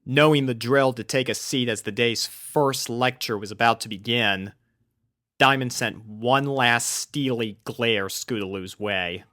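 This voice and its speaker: A man narrates a scripted story in a mid-pitched voice. The sound is dry and close, with the steady delivery of an audiobook reader. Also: a little slow, no room sound. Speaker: fan fiction narrator.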